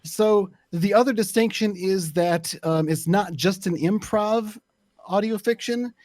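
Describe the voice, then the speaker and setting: A man explaining his opinions in a casual discussion, deliberate and often searching for the right words. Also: high voice, a little mellow, dry recording. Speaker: panelist, actual play creator.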